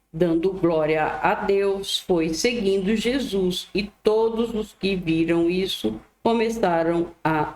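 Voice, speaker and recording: A woman reading the Bible aloud in a gentle, devout way, adding her own commentary and a prayer. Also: fairly low pitch. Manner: gentle, devout, often adds "né". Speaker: Bible reader. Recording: echoey room.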